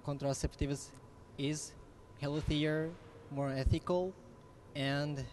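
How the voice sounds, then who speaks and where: Slow, deliberate man. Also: on the high side, a little mellow, slight background noise. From Japan. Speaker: panelist. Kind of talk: panel discussion.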